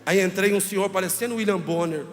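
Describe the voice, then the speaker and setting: A man, a pastor telling a humorous story in a sermon, lively and acting out voices. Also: high-pitched, fast. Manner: lively comic storyteller who acts out voices. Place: church. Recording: reverberant church hall, faint room noise.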